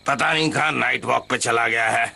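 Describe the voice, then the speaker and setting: Cartoon dub: blustering caveman dad, grumbling and boastful, piercing, gravelly edge. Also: medium pitch, a little fast, sharp tone, full character voice. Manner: blustering, complaining.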